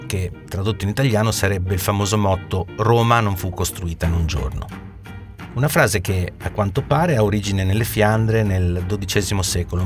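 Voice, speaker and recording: A man as podcast host, reading a scripted closing segment and credits in a measured, announcing manner. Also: fairly low pitch. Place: recording studio. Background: music bed.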